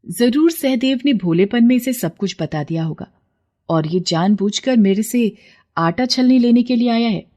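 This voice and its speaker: A woman's voice: fairly high pitch, animated, normal speed, warm tone. A stern, righteous pond goddess, as a woman narrator puts her on in a cartoon story. Her voice is raised and commanding, and she scolds a greedy man in a lofty tone. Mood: scolding.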